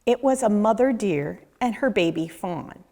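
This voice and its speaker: Woman, children's book read-aloud, deliberate questioning storyteller, animated intonation, long room reverb. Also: medium pitch. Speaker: nature center educator reading aloud.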